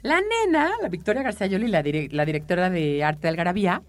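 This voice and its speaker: A woman with a Mexican accent hosting a casual talk show, telling slangy, animated stories. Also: fairly low pitch, fast talker. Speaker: podcast host. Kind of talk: casual chat.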